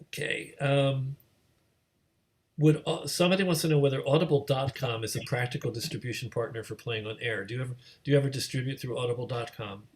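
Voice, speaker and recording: A man's voice: mid-range voice, fairly even intonation, fairly quick. A man hosting a question session on a video call, casual in style, with a hesitant, meandering way of talking. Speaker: host, moderator.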